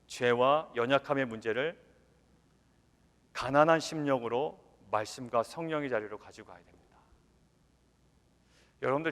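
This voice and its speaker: A male pastor giving a weekday sermon, animated, swinging from loud emphasis to near-whispers and asking his congregation questions. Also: mid-range voice. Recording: long hall reverb.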